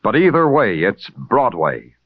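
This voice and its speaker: A man's voice: mid-range voice, big pitch swings, a little slow. An actor playing a terse, hard-boiled male police detective who also narrates a 1940s radio drama in a brooding way. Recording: muffled old radio recording with loud music.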